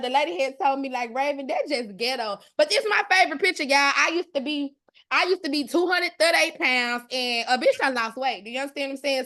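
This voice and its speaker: A woman with a Mississippi accent speaks at a very fast pace in a high pitch, with an animated tone and lively intonation. The background is quiet. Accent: Southern US (Mississippi). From US South, Greenville, Mississippi. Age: 30s. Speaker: online business coach. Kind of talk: live webinar class. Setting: video call.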